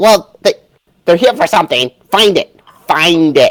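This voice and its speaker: This is a put-on character voice, squeaky and fairly high in pitch. The pitch sits fairly high throughout. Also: moderate pace. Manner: demanding, urgent.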